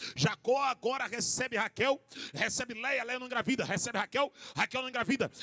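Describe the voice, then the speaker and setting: An animated man's extremely high voice, raised and projected, in a dry, close recording with no echo. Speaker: pastor. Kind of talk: sermon.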